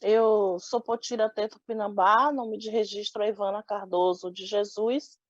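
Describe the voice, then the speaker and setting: A woman's voice: mid-range voice, fairly even intonation, moderate pace, dry recording, lo-fi sound. A young woman from Salvador, giving an oral history interview and speaking thoughtfully with frequent restarts. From Salvador, Bahia, Brazil. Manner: thoughtful, many restarts and filler "né".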